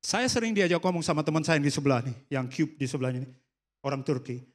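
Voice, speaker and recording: Speaking quickly in a slightly high voice, an Indonesian-accented pastor shares a personal story during a sermon in a church service hall. English phrases pepper his speech, and he acts out quoted dialogue softly.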